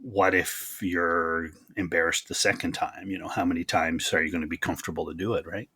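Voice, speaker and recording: Male podcast host, very low husky voice with forceful edge, conversational, supportive interviewer. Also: flat delivery, a little fast. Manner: agreeable, encouraging. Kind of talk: casual interview chat.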